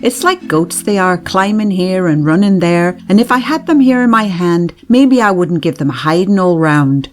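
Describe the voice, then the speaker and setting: Woman doing an anxious young girl, urgent, coaxing, raised pitch, music underneath. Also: sing-song, moderate pace, hardly any pauses. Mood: reassuring.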